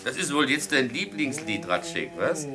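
An actor playing a teasing, boisterous tavern regular in a German radio drama. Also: male voice, medium pitch, normal speed, lightly acted. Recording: lively tavern crowd around him.

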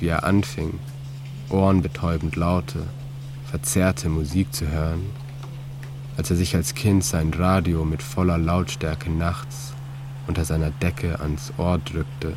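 Deep-voiced man narrating calmly. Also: background noise. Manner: calm, measured, reflective delivery. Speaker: author and narrator. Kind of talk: scripted literary narration.

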